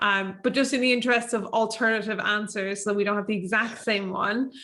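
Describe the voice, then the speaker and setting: A woman speaks at a fairly quick pace with an Irish accent, her pitch fairly high and her intonation monotone and flat. Her loudness stays very even, with noticeable background noise behind her. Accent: clearly Irish. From Ireland. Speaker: podcast host. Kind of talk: podcast interview.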